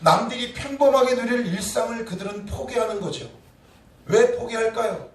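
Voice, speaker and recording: A man's voice: extremely high pitch, moderate pace. A man in his forties, a pastor preaching a conversational sermon full of rhetorical questions to his congregation. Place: church sanctuary. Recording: echoey church from a distant mic.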